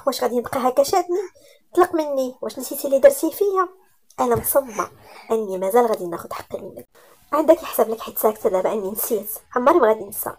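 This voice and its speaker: Defiant young woman, moroccan accent, high-pitched, sharp, indignant, as a narrator does her. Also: animated, racing, a little hiss or hum, natural voice. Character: defiant angry young woman, proud and stubborn.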